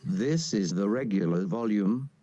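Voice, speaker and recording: A synthetic male text-to-speech voice reading demo lines in a flat, robotic way, played through speakers on a video call. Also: lowish voice, unhurried. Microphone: computer speakers captured on a video call. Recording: muffled, dry, played over a video call.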